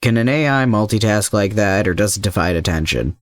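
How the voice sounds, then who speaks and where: A man voicing an impatient, gruff young man in an audio story, blunt in manner. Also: on the low side, expressive, a little fast, lightly acted. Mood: curious, blunt.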